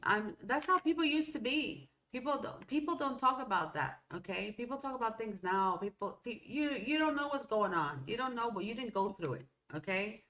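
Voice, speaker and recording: A woman's voice: fairly high pitch, lively intonation, moderate pace, hardly any pauses, a bit bright. A middle-aged woman whose first language is Spanish, talking in a rambling, casual way as a solo podcast host, often checking in with "okay?" and "right?". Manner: rambling, conversational, self-interrupting with "okay?" and "right?". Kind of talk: solo motivational talk.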